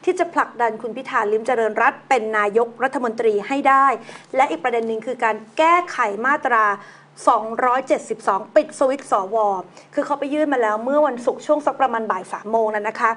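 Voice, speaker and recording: A woman hosting a news talk show, reading items and chatting about them in a relaxed, conversational way. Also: a little high, quick pace.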